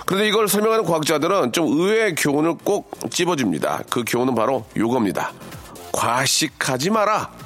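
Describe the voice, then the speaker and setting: A man's voice: on the high side, big pitch swings, fast talker, few pauses, faint music behind. A man hosting a radio show, chatting playfully and straight to listeners while reading out their messages. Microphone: studio microphone.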